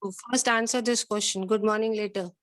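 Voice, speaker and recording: A woman's voice: medium pitch, fairly even intonation, fast talker, a bit bright, no room sound. A woman with a South Asian accent teaching an online class, questioning pupils in a stern, insistent way. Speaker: schoolteacher.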